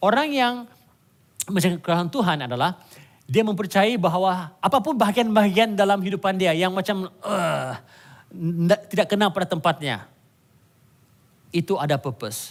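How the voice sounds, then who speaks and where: Lively intonation and an animated tone carry this moderate-paced delivery, broken by long, frequent pauses. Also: man, high pitch for a man. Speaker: pastor. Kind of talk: sermon. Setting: church.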